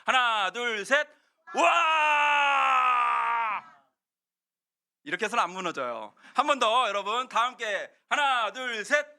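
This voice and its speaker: Man, pastor, high voice, very bright tone, lively story sermon, acts out characters. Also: normal speed, few pauses, smooth. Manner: animated, acts out soldiers' lines, leads congregation shouts. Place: church sanctuary.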